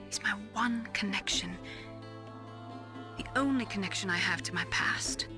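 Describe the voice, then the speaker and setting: A woman's voice: medium pitch, close to an everyday voice. Woman acting a wounded, bitter female scientist over music. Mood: bitter, grieving. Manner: halting, emotional, intense. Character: wounded, bitter female scientist confessing her secret past. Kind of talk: dramatic video game voice acting. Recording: dramatic music behind the voice.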